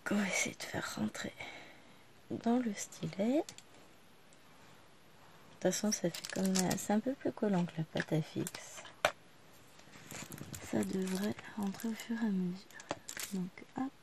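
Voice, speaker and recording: A woman's voice: medium pitch, a little slow, pauses often, noisy background. A woman in her thirties, a vlogger chatting casually to the camera while she works on a craft at home. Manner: chatty, talking quietly to the camera while working. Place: living room at home.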